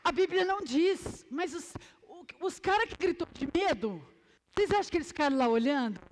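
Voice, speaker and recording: A Brazilian woman preaching a lively youth sermon in a church hall, acting out scenes and quizzing the crowd. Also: sits high, normal speed, a little hiss or hum. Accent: Brazilian Portuguese.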